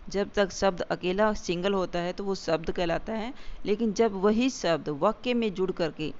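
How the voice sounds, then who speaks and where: A grammar teacher explaining definitions step by step, repeating key points and slowing down for examples. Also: medium pitch, a little mellow. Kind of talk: exam-prep grammar lesson. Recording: dull lo-fi recording with faint hiss.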